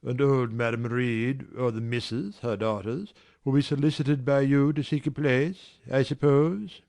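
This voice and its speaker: Guy reading gruff teasing old-fashioned gentleman boss, bossy and dry, storybook drama. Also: mid-range voice, fairly even intonation, a little slow. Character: brusque teasing gentleman employer, middle-aged. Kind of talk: dramatized classic novel reading.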